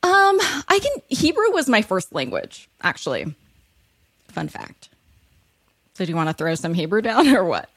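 A woman in her thirties from California, a podcast guest who talks frankly and quickly, laughing often and saying "like" a lot. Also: mid-range voice, wildly swooping pitch, slightly rough, no echo, studio quality. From California, USA. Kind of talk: candid interview talk.

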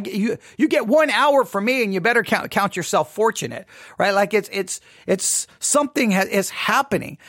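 A man's voice: high voice, a bit bright, no room sound, clean studio sound. A man hosting a solo commentary podcast, talking earnestly with repeated emphasis and frequent restarts. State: voice briefly giving out. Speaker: podcast host.

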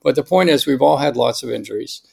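An American man in his sixties speaking as a podcast guest in a conversational, emphatic way, often checking in with a quick "right?". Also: medium pitch, vocal fry, a little mellow, slight background noise. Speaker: podcast guest, longevity doctor. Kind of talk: conversational interview, personal anecdotes.

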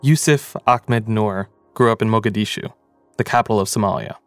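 A man with a low voice narrates a podcast story in a relaxed, conversational way. He is recorded close and dry, with faint music underneath, and thinks aloud with casual fillers. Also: fairly quick, smooth, dry recording. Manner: casual, reflective, many "like" fillers.

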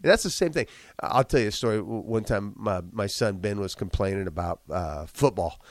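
A man's voice: on the low side, a little fast, dry recording. A man who is a business owner speaks candidly in an interview. He is congested, repeats himself a lot and talks with emphasis. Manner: emphatic, repeats words often. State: congested, chesty cough.

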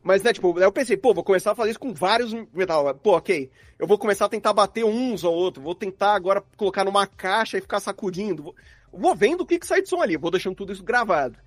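Talking fast with lively intonation, a guest sound designer with a Brazilian accent casually discusses his craft and acts out his thought process. His voice is high, and there is no echo.

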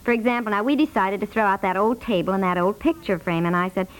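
A woman's voice: mid-range voice, quick pace, lightly acted, rough recording. A woman playing a fretful, chatty married housewife in an American accent, flustered and repeating herself, in 1950s radio comedy style. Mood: chatty, dismissive. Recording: vintage 1950s radio broadcast.

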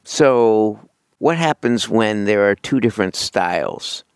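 A man's voice: fairly low pitch, lively intonation, takes it slowly, clear, resonant tone, dry recording, clean studio sound. A man hosting an interview, plainspoken and self-deprecating, asking questions of his guest. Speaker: podcast host.

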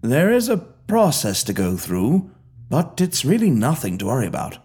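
A gracious old gentleman of the afterlife, as a storyteller puts him on, with a soft, husky voice that rises and falls in lively swoops. He speaks courteously and gently, in an audio story with faint music underneath. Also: medium pitch, normal speed, voice pushed up. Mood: reassuring. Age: older.

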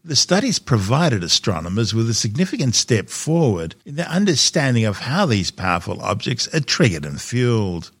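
A man presenting scripted science news with measured, emphatic phrasing. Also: medium pitch, very animated, husky, dry recording, studio quality.

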